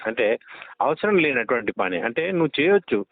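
A man's voice: mid-range voice, very animated, normal speed, vocal fry. A man arguing his point firmly over a leaked phone call, with many hesitations. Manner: emphatic, argumentative, frequent hesitations. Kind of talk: phone conversation, opinionated.

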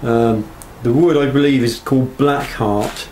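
Male craftsman, understated and halting, casually presenting handmade work on a camera mic with noticeable background noise. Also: mid-range voice, steady tone, darkish tone, rough recording. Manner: hesitant, unscripted, understated. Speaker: knife maker presenting work. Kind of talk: casual workshop show-and-tell. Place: small block-walled workshop.

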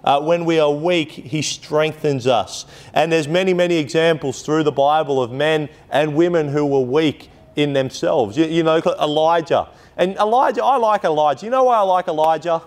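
A man's voice: on the high side, moderate pace, hardly any pauses. A man preaching an evening sermon to a congregation, retelling stories in a casual, rambling way with asides and restarts. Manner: conversational storytelling with frequent asides and restarts.

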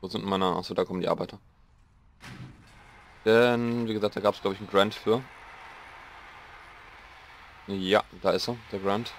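Slightly hoarse young man, low voice. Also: steady tone, normal speed, pauses often, slight background noise. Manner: rambling, self-mocking, thinking aloud. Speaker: let's play host. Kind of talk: casual gameplay commentary.

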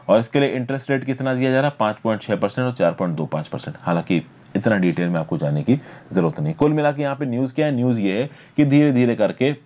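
A man's voice: medium pitch, a little mellow. A man with an Indian accent giving a conversational, explanatory current affairs lecture as a teacher, posing questions and answering them. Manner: conversational, explanatory, mixing Hindi with English terms. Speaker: online exam-prep teacher. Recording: dull, lo-fi voice recording.

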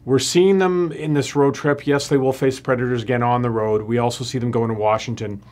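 A man's voice: medium pitch, fairly even intonation, fairly quick, a little mellow. Man hosting a sports panel. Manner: conversational, leading questions. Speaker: host. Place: studio with panel seated on stools.

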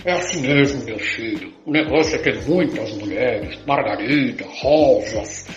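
A man's voice: medium pitch, unhurried, natural voice. Boastful Brazilian womanizing dad, acted by an older man, radio drama, roomy lo-fi sound. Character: boastful womanizing father wooing many women. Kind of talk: amateur radio drama acting. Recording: echoey, dull lo-fi audio with music.

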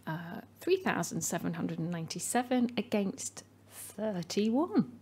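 A woman at a podium reading out election results in a measured, formal way. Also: medium pitch, very animated, a little mellow, slightly rough. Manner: measured, reading names slowly. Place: meeting hall. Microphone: podium microphone.

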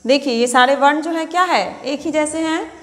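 A woman teacher with an Indian accent, slowly spelling out letters one by one in a nursery alphabet lesson. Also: high-pitched, a bit bright. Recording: long hall reverb.

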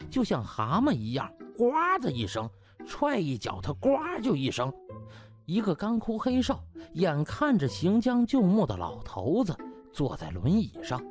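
A man narrates a comic audiobook as a dramatic storyteller. His delivery is theatrical, with very wide swings of pitch, and music plays faintly behind him. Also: a little mellow. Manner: theatrical, uses sound words and exclamatory particles.

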